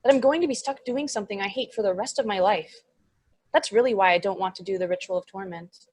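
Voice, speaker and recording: A woman's voice: mid-range voice, fast talker, a little hiss or hum, lightly acted. A woman playing a childlike, naive young demon in a comedy table read, eager and earnest. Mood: earnest, glum. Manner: excitable, earnest.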